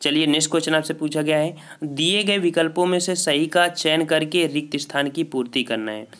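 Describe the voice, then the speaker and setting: A man's voice: fairly high pitch, brisk, fairly bright tone. A man teaching exam prep, going through a grammar test and repeating each answer with a check-in. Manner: repeats each answer and asks it back with "ठीक है". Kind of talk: solving a Hindi grammar test paper aloud.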